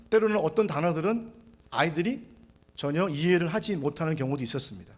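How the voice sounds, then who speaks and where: A man's high voice at a very fast pace, ordinary pitch variation, and audible room echo. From South Korea, Gyeongsang countryside then Seoul. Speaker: pastor. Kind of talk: sermon. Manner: halting, many fillers.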